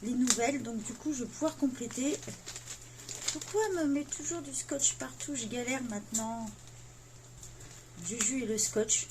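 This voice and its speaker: A woman's voice: a little high, moderate pace, long pauses, background noise. A woman, chatting casually as she unboxes gifts, full of fillers and self-mocking asides. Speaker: coloring vlogger.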